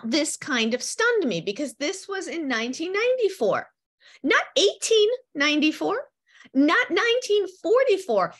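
A woman in her fifties, born in Ukraine and raised partly in the United States, telling stories in an animated way at an author talk, speaking from home on a video call. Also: sits high. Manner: animated, gestures a lot, acts out quotes. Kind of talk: lively storytelling talk. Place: home room with bookshelves. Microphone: webcam on a video call.

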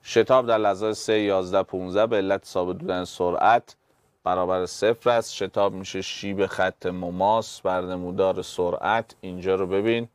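A man's voice: deep voice, fairly even intonation, clean tone, no echo. A man, a physics teacher, working through exam problems step by step and talking straight to his students. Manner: explains step by step, addresses students directly.

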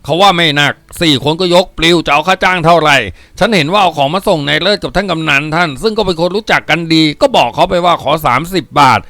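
A man's voice: a little high, quick pace, hardly any pauses, sharp tone, no echo, pitched above the performer's own voice. A man voicing a talkative hired boatman who rambles defensively through his explanation, as part of an audiobook reading.

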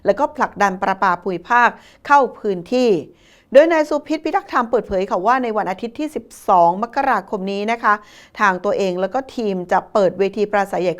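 Female news presenter, medium pitch, scripted news report, polite and formal delivery.

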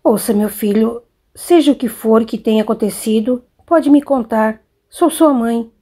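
A woman voicing a worried, gentle mother in an audiobook, coaxing her son with concerned questions. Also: high voice, normal speed, lightly acted.

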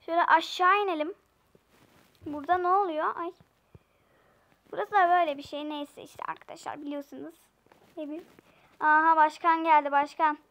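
A woman's voice: high-pitched, fairly even intonation, moderate pace, long pauses, fairly bright tone. A young woman with a Black Sea Turkish accent giving playful, chatty commentary to viewers while playing a game. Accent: Turkish, Black Sea (Trabzon). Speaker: gaming channel host. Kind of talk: casual gameplay commentary.

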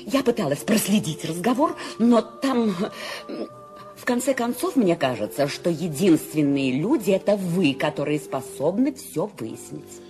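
An actress playing a nervous, demanding bedridden woman in a radio play, shrill and fretful. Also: expressive, moderate pace, over music, natural voice. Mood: anxious. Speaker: Mrs. Stevenson. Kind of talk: Soviet-era radio play acting.

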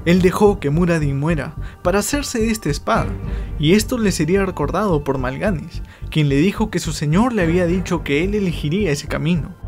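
A man giving scripted story narration as the narrator of a game lore video. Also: fairly high pitch.

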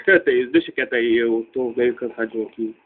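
A man's voice: mid-range voice, moderate pace, voice pushed down, lightly acted. A man doing a tired mumbling cartoon janitor. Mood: weary. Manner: weary, mumbled. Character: tired lowly male cleaner, mumbling. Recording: tinny lo-fi home recording.

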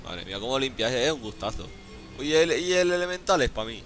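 Excitable gaming streamer, man. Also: medium pitch, brisk, soft background music. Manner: exclamatory, laughing, swears often. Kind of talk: excited gameplay commentary.

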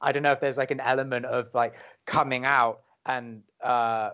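A man's voice: mid-range voice, flat delivery, normal speed, pushed and bright, clear, resonant tone, muffled recording. A man, a voice actor, giving casual commentary in a thoughtful, searching, hesitant way.

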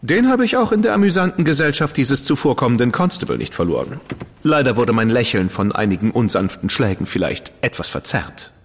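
A witty, flamboyant dandy writer in a radio drama, with a husky voice and a lively, swooping pitch. He talks in a theatrical, flowery, playful way, and a long reverb trails behind each line. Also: brisk. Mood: amused, flowery. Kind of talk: German studio radio drama acting.

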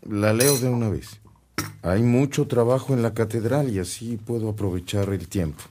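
An actor playing a devout, humble Catholic priest in a radio drama, reverent and earnest. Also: male voice, on the low side, normal speed, warm tone, slight background noise, close to an everyday voice. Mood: dutiful.

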